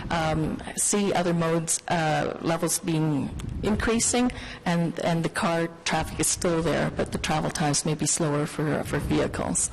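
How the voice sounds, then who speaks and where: A woman giving halting, explanatory answers as city staff at a committee meeting. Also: lowish voice, slight background noise, low-quality recording.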